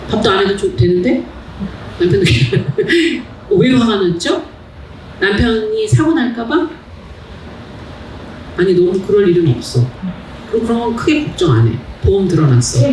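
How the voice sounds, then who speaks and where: A middle-aged woman giving a public lecture in a hall, animated and asking the audience questions. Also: medium pitch, recorded from a distance, a little hiss or hum. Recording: echoey hall, mic heard from afar.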